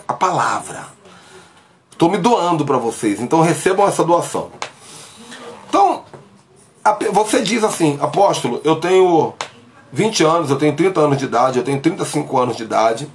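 A man preaching on a live stream from a small bedroom, emphatic and talking straight to his viewers through a phone camera while sick with covid. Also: on the high side. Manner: emphatic, gestures broadly, speaks to viewers directly. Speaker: pastor. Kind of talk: livestream preaching. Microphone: phone camera at arm's length.

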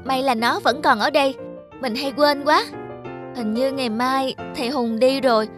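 A woman's voice: high voice, steady tone, moderate pace, music in the background, natural voice. A woman voicing a forgetful, reluctant little schoolboy in a children's cartoon, with a boyish, grumbling manner.

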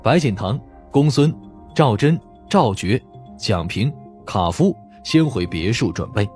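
A man's voice: lowish voice, animated, a little slow, darkish tone, faint music behind. A man reading a mystery novel as a scripted audiobook narration.

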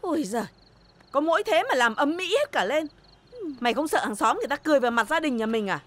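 A woman's voice: sits high, lively intonation, fast talker, fairly bright tone. A doting, exasperated mother-in-law. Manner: scolding but doting, exasperated sighs. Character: indulgent older mother-in-law, household matriarch. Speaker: mother in a TV drama.

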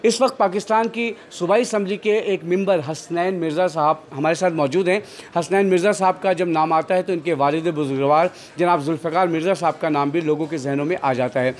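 A man's voice: on the high side, steady tone, hardly any pauses. A man hosting an on-location interview outdoors near a shrine, formal and devout in his greetings, asking long questions. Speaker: interviewer and host.

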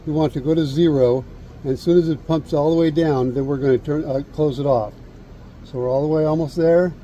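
Man with a very dark, mellow voice. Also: fairly high pitch, fairly even intonation, a little fast, dull audio, a little hiss or hum. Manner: repeats steps, checks in with "okay?". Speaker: HVAC instructor. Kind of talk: hands-on how-to demonstration. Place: outdoors beside an air conditioner unit. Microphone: camera held close, point of view.

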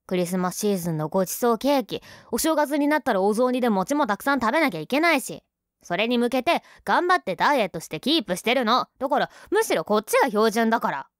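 A woman's voice: mid-range voice, normal speed, no room sound, close to an everyday voice. Woman acting a pouty tsundere girlfriend, close and dry. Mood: indignant, pouty. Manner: tsundere: huffy scolding that softens into sulky affection. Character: pouty tsundere young girlfriend, sulky but affectionate. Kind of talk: ASMR girlfriend role-play.

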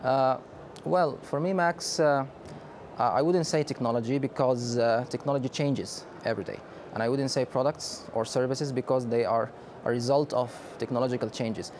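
A Sudanese man in his thirties gives a measured conference interview, pausing often with hesitations. His voice sits at a middle pitch for a man, and a faint hum of noise runs behind him. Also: a little mellow. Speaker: company director, interview guest. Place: exhibition booth studio set.

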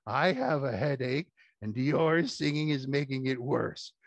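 A man voicing a grumpy male wolf with a headache, speaking slowly and irritably. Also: mid-range voice, dry recording. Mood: irritated.

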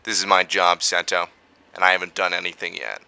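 An actor playing a steady, reassuring investigator in an audio drama, businesslike in manner. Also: male voice, sits low, fairly quick, vocal fry, smooth, no echo, heavily acted. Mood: focused, steady.

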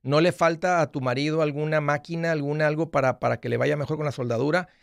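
Fast-talking man hosting a call-in show. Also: on the high side, steady tone, gravelly, dry recording, clean studio sound. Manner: fast, direct, repeats and restarts words. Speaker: radio show host giving money advice. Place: small studio with acoustic foam wall. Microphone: studio mic with headphones.

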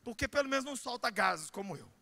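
A middle-aged man with a Brazilian Portuguese accent preaching a sermon in a church, animated and shouting, with comic asides. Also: very high voice, quick pace. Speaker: pastor.

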